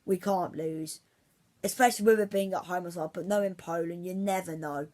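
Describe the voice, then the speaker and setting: A man's voice: high voice, fairly even intonation, a little fast, darkish tone. A man giving casual football predictions on his vlog, rambling and repeating himself with many restarts. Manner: rambling, says "obviously" constantly, many restarts; fan-like, insistent about his team. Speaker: football vlogger.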